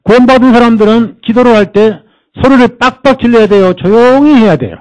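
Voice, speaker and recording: A man's voice: extremely high pitch, fairly quick, darkish tone, poor audio. A male pastor preaching at a church service, quizzing the congregation with rhetorical questions and mimicking people to make his points. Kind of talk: sermon.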